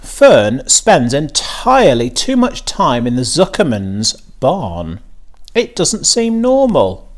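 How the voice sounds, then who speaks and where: A man voicing a worried, stern mother in a storybook, admonishing and exasperated but caring. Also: mid-range voice.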